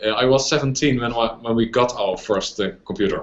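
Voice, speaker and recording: This man has a Dutch accent and a medium pitch. He talks at a fairly quick pace. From Netherlands. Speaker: neurosurgeon. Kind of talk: interview. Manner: halting, many fillers.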